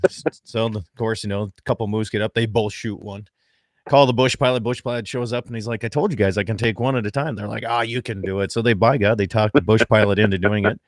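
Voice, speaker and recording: A man hosting an outdoors radio show from his ranch porch, telling folksy jokes and opening the show in a loud, upbeat on-air voice. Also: lowish voice, steady tone, fast talker, dry recording, studio quality. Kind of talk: casual chat, then radio show opening.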